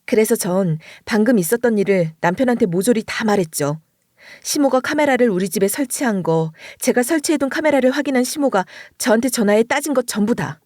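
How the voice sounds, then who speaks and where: A woman narrating a dramatic first-person story in an expressive storytelling voice. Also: fairly high pitch, a little fast, no echo, clean studio sound.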